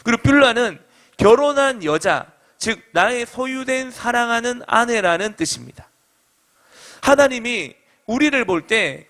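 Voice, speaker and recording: A middle-aged man preaching with fervent conviction, his voice sitting notably high for a man. He calls out to the congregation, pauses for their replies, and leads them through readings with steady energy. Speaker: pastor. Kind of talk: sermon.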